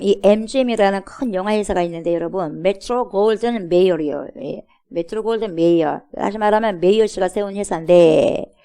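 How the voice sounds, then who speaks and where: A woman pastor's medium-pitched voice sounds creaky and dark as she preaches in a church sanctuary. She speaks emphatically, calling out "여러분" again and again and asking rhetorical questions.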